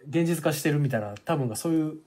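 A man's voice: on the high side, very fast, a little mellow. A man with a Kansai accent chatting casually as a podcast co-host, easygoing and playful. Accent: Kansai Japanese. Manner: easygoing, frequent short backchannels, playful. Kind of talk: casual chat.

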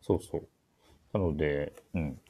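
A man hosting a menswear shop radio show, talking casually and politely about clothes, often pausing to think aloud. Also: extremely low pitch, fairly even intonation, warm tone, slightly rough. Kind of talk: casual radio-style talk introducing clothes.

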